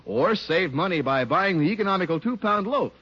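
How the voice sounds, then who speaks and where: A male announcer reading a cheese commercial in a smooth, salesy 1950s radio style. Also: high-pitched, animated, brisk, a bit bright. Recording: muffled old radio broadcast.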